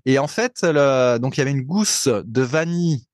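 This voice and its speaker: A man co-hosts a casual podcast, chatting at length as he explains things and laughing easily. His medium-pitched voice has lively intonation and moves at normal speed. The sound is clean studio quality with no echo.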